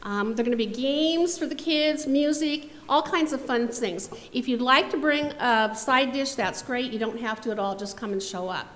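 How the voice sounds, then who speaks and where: A woman who teaches, making a church announcement in her loud teaching voice. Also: on the high side, moderate pace, few pauses. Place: church sanctuary. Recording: reverberant church hall, faint noise.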